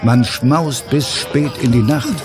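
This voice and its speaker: A male narrator tells a radio play story in a medium-pitched voice. The delivery is scripted storytelling, with music playing clearly behind it. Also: slow pace.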